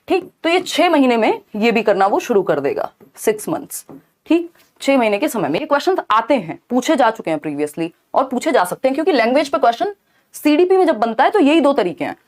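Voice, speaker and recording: A young woman giving an online exam-prep lecture, explaining step by step and often checking in with her students. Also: sits high.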